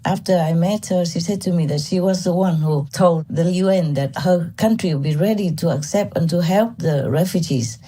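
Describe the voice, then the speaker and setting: Woman from Vietnam, spiritual teacher; candid, animated storyteller; mellow, husky tone. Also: fairly low pitch, moderate pace, hardly any pauses. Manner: candid, laughs often, animated. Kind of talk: storytelling talk to disciples.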